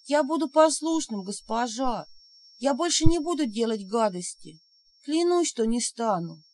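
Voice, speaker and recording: A woman voicing a timid little male house spirit, squeaky and plaintive. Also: expressive, measured pace, darkish tone. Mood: pleading.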